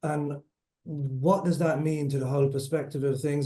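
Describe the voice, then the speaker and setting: A man with a dark, mellow tone speaks at a fairly high pitch, somewhat breathy. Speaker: researcher. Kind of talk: webinar interview. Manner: halting, stuttering speech; hesitant, many fillers.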